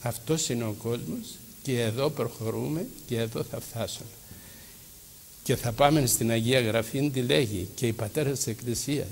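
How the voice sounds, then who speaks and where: Older priest, fervent sermon delivery, long hall echo. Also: male voice, mid-range voice, creaky, a little mellow. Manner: fervent preaching, rhetorical questions. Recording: hall reverb with faint background noise.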